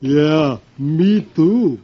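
A man playing a slow-witted young army private who copies everything his buddy does, drawling his words out slowly. He sounds dull and lo-fi, like an old radio broadcast. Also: a little high, lively intonation, slightly rough, exaggerated voice. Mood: dopey.

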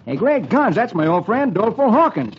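A man voicing a brisk, commanding cowboy hero in a radio comic-strip reading. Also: high voice, sing-song, voice pushed up. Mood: hearty. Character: hearty heroic cowboy man. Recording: dull old radio broadcast, faint hiss.

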